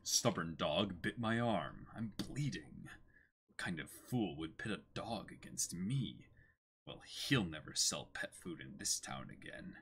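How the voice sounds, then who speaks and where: A man voicing a menacing manga pirate villain who speaks with slow scorn. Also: deep voice, lively intonation, a bit bright, slight background noise, voice pushed down, exaggerated voice.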